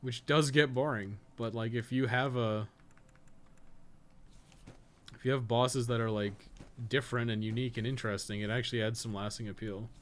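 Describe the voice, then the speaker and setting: A man's voice: mid-range voice, fairly even intonation, normal speed, long pauses. A man giving casual, rambling live gameplay commentary as a streamer, with some swearing. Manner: casual, profane, rambling asides. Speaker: game streamer and podcast co-host.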